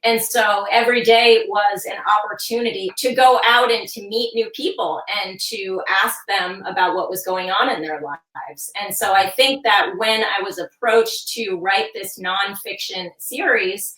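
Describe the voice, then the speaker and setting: A woman in her forties from New York's Hudson Valley, a guest author who sounds hoarse and groggy, telling her story in an upbeat, chatty way. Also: medium pitch, measured pace, few pauses, a bit bright, echoey room, recorded from a distance, rough recording. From Hudson Valley, New York. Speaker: children's book author, guest. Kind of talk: chatty interview answers.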